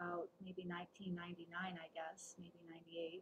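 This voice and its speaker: A woman's somewhat breathy, medium-pitched voice with an American accent. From US. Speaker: spiritual speaker and songwriter. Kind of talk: personal testimony. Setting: Zoom video call.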